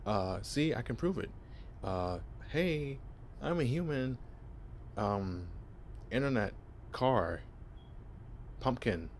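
A man's voice: mid-range voice, lively intonation, takes it slowly, pauses often, slight background noise. A man playing a shy, flustered young vampire. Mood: flustered, awkward. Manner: nervous, stammering, awkward. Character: shy, clueless young male vampire posing as human. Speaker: voice actor. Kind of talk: ASMR audio roleplay.

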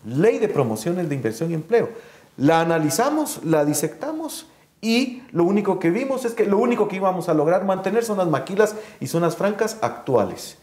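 A man's voice: sits high, very animated, moderate pace, a little mellow, roomy sound. A man, a guest on a panel debate, who lays out an analytical argument.

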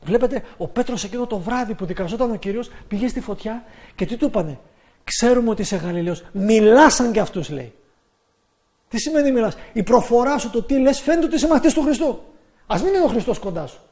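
High-voiced, fiery preacher. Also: male voice, lively intonation. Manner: emphatic, rising to loud exclamations. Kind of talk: sermon.

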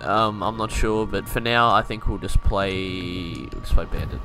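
Young man, gameplay commentary, bright forceful tone, lowish voice, faint game music behind. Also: normal speed. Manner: laid-back, swears casually, thinks aloud. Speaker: gaming YouTuber.

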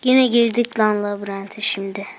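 A woman's voice: medium pitch, fairly even intonation, moderate pace, slight background noise. A woman giving let's play commentary as she explores a game map, exclaiming, muttering to herself and using slang. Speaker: gaming channel host.

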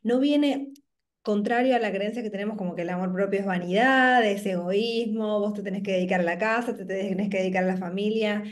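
A woman's voice: mid-range voice, a little fast. Encouraging Rioplatense woman host. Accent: Rioplatense Spanish. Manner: encouraging, thoughtful questions, fillers like "tipo". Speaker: workshop host and interviewer. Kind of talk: warm interview over video call. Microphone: video call, laptop mic.

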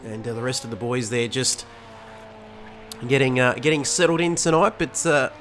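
A man commentating a sim racing stream, excitable and chatty, his voice going hoarse after the flu. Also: mid-range voice, moderate pace, soft background music. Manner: excitable, chatty, many fillers. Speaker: race commentator.

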